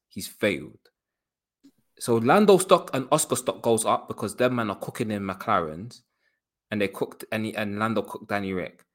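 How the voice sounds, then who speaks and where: A man banters on a podcast panel, his voice swinging widely up and down. He talks in slang and cuts in over the others. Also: mid-range voice. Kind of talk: casual banter.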